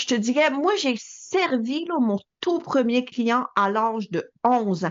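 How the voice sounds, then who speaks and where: With an Acadian accent, a woman speaks in a high pitch with lively intonation. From Havre-Saint-Pierre, Côte-Nord, Quebec (Acadian community). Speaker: customer service trainer and consultant. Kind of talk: podcast interview.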